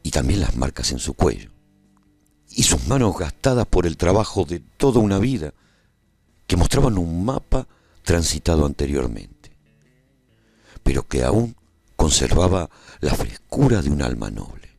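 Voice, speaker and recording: A man playing a brave, lovestruck warrior who tells his own adventure in a radio serial, theatrical and husky, with measured dramatic pauses. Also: extremely low pitch, big pitch swings, a little mellow, no echo, faint music behind, exaggerated voice. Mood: tender. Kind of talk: dramatic scripted first-person radio serial narration.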